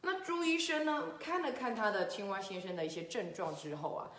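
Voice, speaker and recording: A woman telling a children's story in a gentle, playful way, chatting to a child between scenes. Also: medium pitch, a little fast. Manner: gentle, playful, with soft laughs. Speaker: children's story podcast host. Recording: echoey room.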